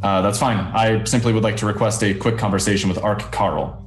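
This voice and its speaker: Man role-playing a very deep cleric investigator, formal, courteous, dutiful, tabletop fantasy game, echoey room. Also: fairly even intonation, a little fast, lightly acted. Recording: roomy echo, faint music behind.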